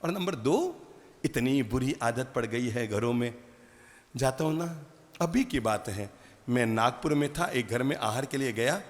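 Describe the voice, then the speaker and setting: A man, a Jain monk, giving an animated sermon full of rhetorical questions and acted-out family scenes. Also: mid-range voice, a little slow. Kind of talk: sermon to a live audience. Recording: long hall reverb.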